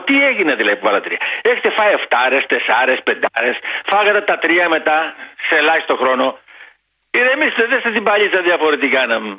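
List: man, radio caller, emphatic and animated, bright husky voice, muffled phone line. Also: sits high. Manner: emphatic, animated, addresses rival fans directly. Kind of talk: call-in radio talk. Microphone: telephone line. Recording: dull phone-line call.

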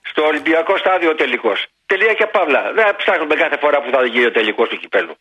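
A man's voice: fairly high pitch, slightly rough. A man calling in to a radio show, talking emphatically and animatedly. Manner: emphatic, animated, addresses rival fans directly. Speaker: caller. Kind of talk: call-in radio talk. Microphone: telephone line. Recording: dull phone-line call.

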